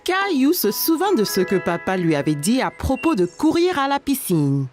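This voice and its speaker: A woman narrating a cartoon for small children in a gentle, clear storytelling manner. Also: fairly high pitch, very animated, moderate pace, faint music behind.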